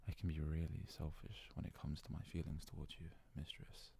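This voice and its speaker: A man playing a devoted, self-loathing yandere fox-boy servant in an intimate ASMR roleplay, hesitant and deferential, with a soft, breathy, gravelly delivery. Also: extremely low pitch, little pitch movement, a little fast, slight background noise. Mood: ashamed.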